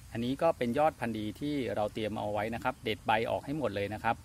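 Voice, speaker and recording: A man in his thirties giving a polite, steady gardening demonstration outdoors at a plant nursery. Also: lowish voice, rapid-fire, a little hiss or hum. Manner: polite, steady instructional delivery. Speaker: farm channel host.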